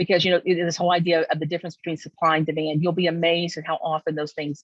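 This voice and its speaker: A woman's fairly low-pitched voice, recorded dry and close with no echo. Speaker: education consultant presenting to principals. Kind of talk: online presentation to school administrators. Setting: video call from a busy work room. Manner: fast; animated.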